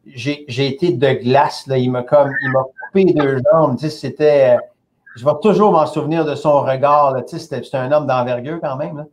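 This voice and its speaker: A man's voice: medium pitch, moderate pace, slight background noise. A man in his fifties with a Québécois French accent, telling anecdotes as a guest in a casual interview. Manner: lively storyteller, conversational. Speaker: company president, interview guest.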